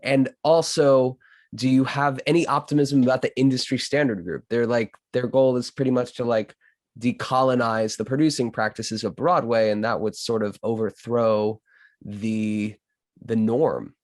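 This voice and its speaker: A man's voice: mid-range voice, fairly even intonation, moderate pace, no echo. A man hosting a casual podcast interview, talking informally with loose slang and some swearing.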